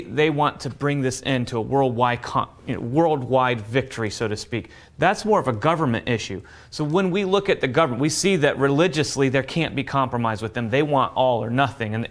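Young man hosting a studio talk show. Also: mid-range voice. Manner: measured, transitions to a break. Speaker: co-host. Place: television studio.

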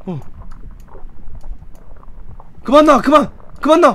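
A game streamer giving loud commentary, often yelling and swearing in comic outbursts. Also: sits high, expressive, slow pace.

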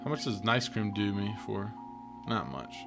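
A man's voice: on the low side, sing-song, moderate pace. A man giving casual let's play commentary, muttering wry asides to himself as he goes. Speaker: gaming video host. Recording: game music behind the voice. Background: video game music.

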